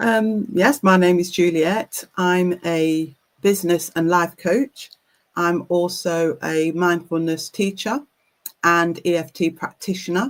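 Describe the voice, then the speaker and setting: A woman speaks very slowly at a fairly low pitch, with ordinary pitch variation. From United Kingdom. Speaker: business and life coach. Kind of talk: self-introduction on live podcast.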